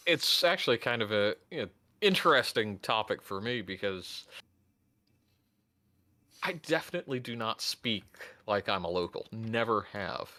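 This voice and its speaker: A man's voice: medium pitch, bright, forceful tone. A man in casual podcast chat, joking wryly at his own expense.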